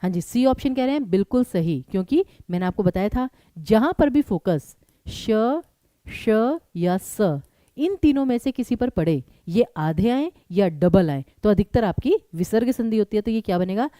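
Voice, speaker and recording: A young woman runs a live online exam-prep class, speaking briskly in Hindi sprinkled with English and pressing students to answer fast. Her mellow, mid-range voice has lively intonation, and the close, dry recording has no room sound.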